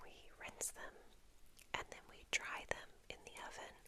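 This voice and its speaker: A woman whispering. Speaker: ASMR creator; backyard chicken keeper. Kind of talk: ASMR whisper talk to camera. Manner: whispered.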